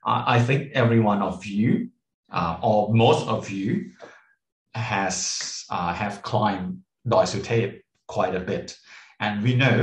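A man lecturing a class on English, explaining patiently and adding frequent polite particles. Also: lowish voice. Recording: echoey classroom.

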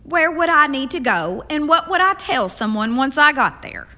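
A woman's voice: high-pitched, sing-song, moderate pace, bright, forceful tone, heavily acted. An actress playing a spirited, persistent, hospitable frontier woman in a period radio drama, earnest, teasing and ready to argue. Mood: earnest, coaxing. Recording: long hall-like reverb.

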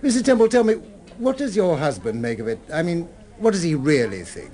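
An actor in a radio drama playing a courteous, solicitous but sceptical gentleman with a polite, inquisitive manner. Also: fairly high pitch, sing-song, brisk. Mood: puzzled, probing.

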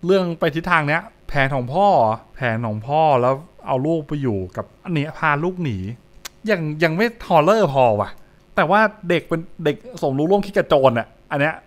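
Over background music, a young adult male streamer reacts live to horror comics, repeating short phrases as he thinks aloud. His voice is fairly high, animated and fairly quick.

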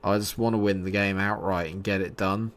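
A young man streaming a football management game, talking through his nerves, yelling at the match and then muttering to himself. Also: low-pitched, fairly even intonation, brisk. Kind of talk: live reactions while playing a football management game.

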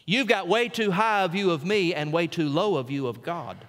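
High-voiced preacher in a reverberant church. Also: male voice, fairly bright tone. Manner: folksy storytelling, emphatic pauses on key words. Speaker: senior pastor. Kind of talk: sermon. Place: church sanctuary.

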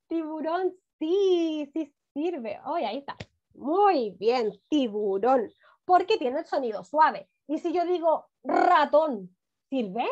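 Woman, first-grade teacher, encouraging, unhurried, dull video-call sound. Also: sits high, expressive. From Chile. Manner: warm encouraging praise, drawn-out words, frequent "muy bien". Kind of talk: online class teaching reading.

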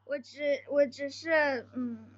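A woman's voice: high-pitched, steady tone, slow. A young woman co-hosting a casual idol livestream, teasing her friends, laughing through stories and thanking viewers. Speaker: livestream co-host. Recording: dull lo-fi livestream audio.

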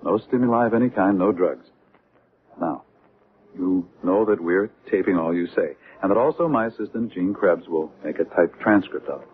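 An actor playing a probing, eager hypnotist doctor in a radio drama. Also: male voice, low voice, moderate pace, lightly acted. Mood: calm, hypnotic. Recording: noisy, tinny old radio broadcast.

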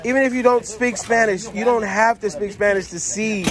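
A man's voice: high voice, fairly even intonation, normal speed, crowd noise. Hyped man vlogging outdoors. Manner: hyped, teasing, talks to viewers. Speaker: channel host. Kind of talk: casual vlog chat. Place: outdoors at storage units.

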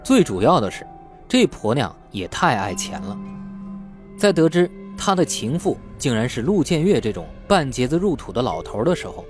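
Male audiobook narrator with lively intonation. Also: medium pitch. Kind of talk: scripted novel narration.

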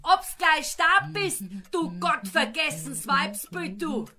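A woman's voice: sits high, big pitch swings, slow, sharp tone, full character voice. An actress playing a quarrelsome rural woman with a Bavarian accent, nagging indignantly in an audiobook drama. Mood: indignant scolding. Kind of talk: dialect audiobook drama acting.

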